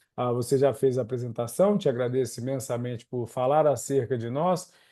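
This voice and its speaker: A man with a dark, mellow tone speaks at a medium pitch and a fairly quick pace, with ordinary pitch variation. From Goiás, Brazil. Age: 40s. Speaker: HR executive and speaker. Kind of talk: webinar talk.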